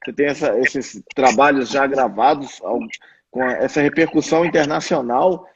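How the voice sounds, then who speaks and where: A man's voice: medium pitch, normal speed. A Brazilian man hosting a casual interview as the interviewer. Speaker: interviewer, host. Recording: dull, lightly noisy online connection.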